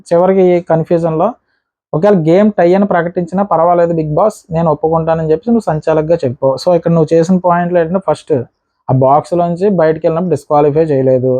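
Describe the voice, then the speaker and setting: A man recapping a reality show episode in a casual, rapid way, acting out what the contestants said. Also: fairly high pitch, warm tone, no echo, dull audio.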